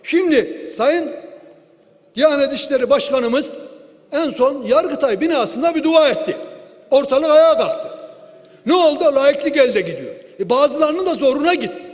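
A man giving a forceful political speech from the rostrum, speaking into a lectern microphone in a large hall and asking rhetorical questions. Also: extremely high pitch. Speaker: member of parliament giving a speech. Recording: long hall reverb.

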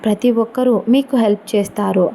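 A fawning college principal , read by a woman narrator, overly humble and polite in a storybook telling. The voice stays warm and mellow, close to her own. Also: a little high, a little fast, vocal fry, a little hiss or hum.

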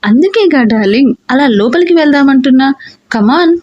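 A woman's voice: high voice, animated, moderate pace, darkish tone, no room sound, muffled recording. A woman voicing a playful young husband in a romantic audiobook story. She keeps him teasing and mock-serious.

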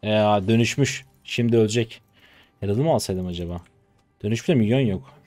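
A man in his twenties from Turkey giving casual live commentary on his own gameplay, chatty and trash-talking, with sudden loud excited shouts, on a close desk mic. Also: on the low side, fairly quick, soft background music. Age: 20s. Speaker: gaming streamer.

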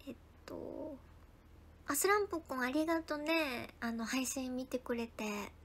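High-voiced young woman chatting on a livestream. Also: unhurried. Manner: chatty, thanks viewers by name, drops into soft whispered asides. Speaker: idol livestreamer. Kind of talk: casual livestream chat reading viewer comments.

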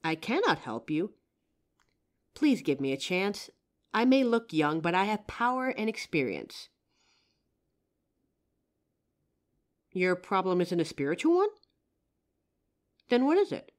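A woman's voice: fairly low pitch, very animated, a little slow, pauses often. A woman playing a young psychic, earnest, confident and helpful, in a scripted roleplay audio drama. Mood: reassuring, earnest. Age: young adult. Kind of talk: scripted roleplay audio acting, addressing the listener.

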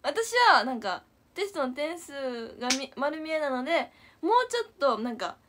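A young woman in her twenties with a Kansai accent, telling a story to viewers in an animated, giggly way. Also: high-pitched, normal speed, slight background noise. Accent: Kansai Japanese. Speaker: idol livestreamer.

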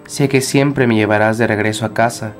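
A man reciting a prayer aloud in a solemn, measured way. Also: on the low side, steady tone, faint music behind. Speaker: prayer reader.

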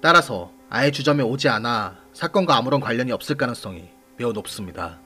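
A man hosting and narrating a scripted true-crime series in a measured, formal manner, putting questions to the audience. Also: medium pitch, animated, pushed and bright, breathy edge. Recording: voice over background music. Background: background music.

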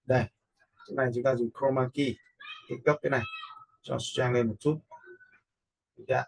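Male software instructor: husky, creaky voice, informal step-by-step delivery with frequent little check-ins. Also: medium pitch, fairly even intonation, moderate pace. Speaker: video editing instructor. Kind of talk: informal screen-recorded software tutorial.

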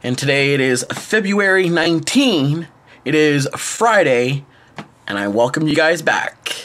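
Young man, slightly high voice, casual rambling vlog, uh fillers, close camera indoors. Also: a bit bright. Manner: chatty, rambling with many "uh" fillers. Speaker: vlogger. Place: small home kitchen and living room indoors. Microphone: wide-angle camera held close.

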